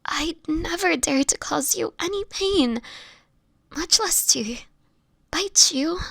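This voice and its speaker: A woman playing a sickly, gentle, anguished vampire in an intimate audio roleplay, speaking in a breathy, often whispered voice with tender, halting, formal phrasing. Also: very high voice, expressive, no echo, full character voice. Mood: distressed, pleading. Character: sickly homeless young female vampire, gentle, anguished, self-sacrificing.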